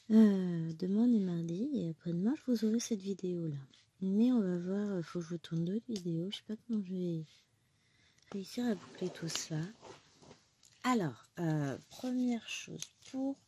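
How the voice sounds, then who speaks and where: A woman's voice: mid-range voice, dark tone, husky. A woman in her thirties with a cold, chatting casually at home while she stitches, rambling and correcting herself as she goes. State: has a cold. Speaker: crafting vlogger. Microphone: phone close by.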